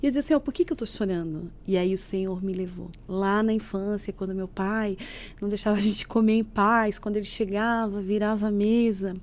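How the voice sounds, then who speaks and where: A woman telling an emotional personal faith testimony as a podcast guest. She tells it as a lively story, acting out what people said. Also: mid-range voice, fairly quick. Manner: lively storyteller who acts out quoted speech. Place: podcast studio.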